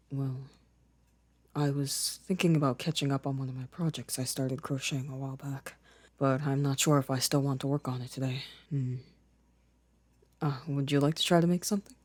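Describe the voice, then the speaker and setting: Soft, shy young boyfriend acted by a man, close and dry. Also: medium pitch, dry recording, lightly acted. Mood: gentle, attentive. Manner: soft, hesitant, careful formal phrasing. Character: gentle, shy, caring young boyfriend, soft-spoken and affectionate. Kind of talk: ASMR boyfriend roleplay.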